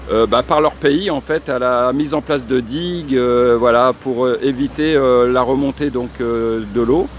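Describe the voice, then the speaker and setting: A man's voice: fairly high pitch, a little hiss or hum. A man narrating a casual on-location vlog, hesitating often with fillers and restarts. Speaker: vlogger and expat coach.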